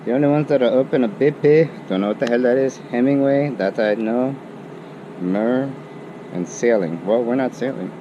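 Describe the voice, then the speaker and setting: Young male student vlogger, fake Irish accent, mid-pitched, self-deprecating mutter, outdoor street noise. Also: normal speed, lo-fi sound. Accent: put-on Irish. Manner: self-mocking, muttering to himself. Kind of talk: casual walking vlog commentary. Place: outdoors on city streets and a campus.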